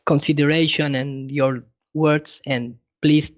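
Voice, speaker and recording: A man with an Argentine Spanish accent, chatting casually in halting, non-native English as a guest. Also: fairly high pitch, fairly even intonation, no room sound, highs cut off. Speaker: guest presenter. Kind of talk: casual panel chat.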